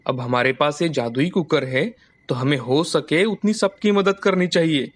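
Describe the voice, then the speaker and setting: A man voicing a kind, generous merchant in a cartoon story, speaking calmly and reassuringly. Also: a little high, measured pace. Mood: earnest. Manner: calm, gentle, reassuring. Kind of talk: cartoon voice acting.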